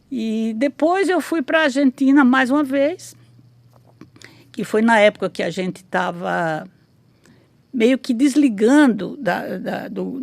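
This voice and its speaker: Older lady, bit gravelly, rambling memories, dry close sound. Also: on the high side, dry recording. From Brazil. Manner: rambling, with many restarts and "né?" tags. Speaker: interview guest, memoirist. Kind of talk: casual storytelling interview.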